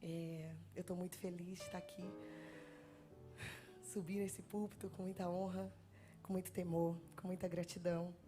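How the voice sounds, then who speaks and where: A woman's voice: lowish voice, little pitch movement, normal speed, music in the background. A woman from Bahia with a Bahian accent, a guest preacher in her thirties, nervously chatting and joking with the congregation into a handheld mic before her sermon. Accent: Bahian Portuguese. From Bahia, Brazil. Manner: chatty, self-deprecating, jokes with the congregation. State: nervous, trembling. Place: church sanctuary.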